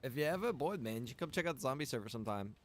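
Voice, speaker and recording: A man's voice: medium pitch, expressive, very fast, a bit bright. A man talking casually and easily to viewers as he hosts a live gameplay stream, chatty and direct. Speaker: game streamer and server admin.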